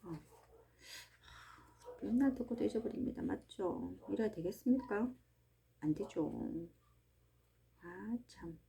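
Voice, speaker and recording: A woman, hosting a book-reading channel and talking in a chatty, animated way about faith and daily life, speaking straight to her listeners from a small farm hut. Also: mid-range voice, takes it slowly, vocal fry, pauses often. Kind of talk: casual devotional talk to listeners.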